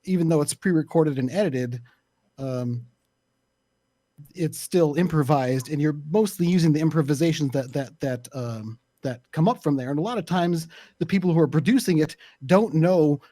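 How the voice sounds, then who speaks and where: A man explaining his opinions in a casual discussion, deliberate and often searching for the right words. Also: fairly high pitch, mellow, no echo. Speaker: panelist, actual play creator.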